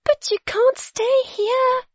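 A woman voicing an excitable young girl in a children's storybook, speaking in an emphatic, exclamatory way, with slightly dull sound. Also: very high voice, measured pace, no room sound, pitched above the performer's own voice, full character voice. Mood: alarmed, urgent.

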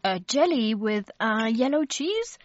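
A woman voicing an eager young boy, a big brother in a storybook, speaking briskly. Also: on the high side, very animated, muffled recording.

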